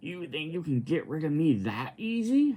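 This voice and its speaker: Using a put-on character voice, a man talks at a moderate pace in a fairly high pitch. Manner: cartoonish, squawky.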